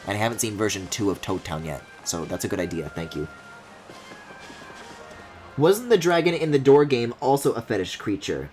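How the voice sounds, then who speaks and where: Guy streaming a game, chatty and expressive, voice jumps up and down, bit of music under it. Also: fairly low pitch, normal speed, long pauses. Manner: expressive, thinking aloud. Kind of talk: casual live game commentary.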